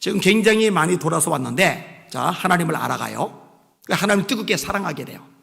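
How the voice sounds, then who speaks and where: A man pastor preaching a sermon with impassioned swings between soft pleading and raised exhortation. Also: fairly high pitch, expressive, fairly quick, gravelly, big-room sound.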